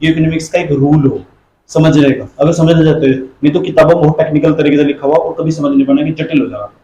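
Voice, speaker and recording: A male teacher giving a classroom lecture, quizzing his students and scolding them to keep quiet. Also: on the high side, steady tone, fast talker, highs cut off. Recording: echoey classroom.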